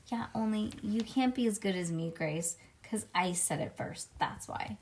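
A woman voicing a boastful, excitable kindergarten girl who narrates her day in childish grammar, as in a storybook read-aloud. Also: mid-range voice, unhurried, slight background noise, lightly acted. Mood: bragging, gleeful. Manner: childish grammar, bragging, dramatic emphasis.

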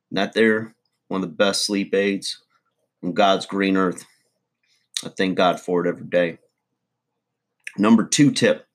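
A man's voice: fairly low pitch, lightly acted. A man playing a crude, boastful middle-aged redneck uncle, rambling folksy advice in a comedy monologue.

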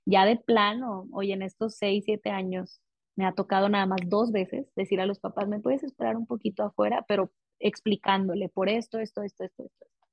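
A woman's voice: medium pitch, moderate pace. A woman in her thirties with a Mexican accent, a pediatric dentist talking casually in an interview and acting out parents and children. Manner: chatty, animated, acts out parents and children.

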